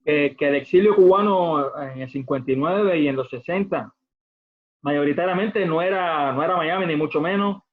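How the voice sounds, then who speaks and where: A man interviewing a guest, giving short affirmations and measured remarks in a casual talk. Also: fairly high pitch. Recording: tinny phone-like line.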